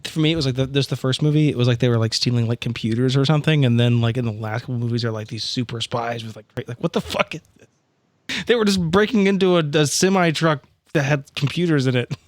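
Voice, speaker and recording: A man with a mid-pitched voice banters casually on a game podcast. He jokes and swears freely, recorded close with very little room sound. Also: fast, no room sound. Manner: profane, joking. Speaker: tabletop podcast player.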